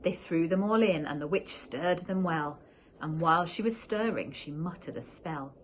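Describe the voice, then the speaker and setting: A woman teacher reading a rhyming picture book aloud, slow and expressive. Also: deep voice, slight background noise, low-quality recording.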